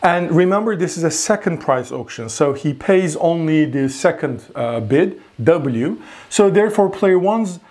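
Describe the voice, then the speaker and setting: A man's voice: a little high, expressive, unhurried, few pauses, a little mellow. Man lecturing at a whiteboard. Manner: explanatory, repeats words while thinking, frequent "all right?" checks. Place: classroom in front of a whiteboard.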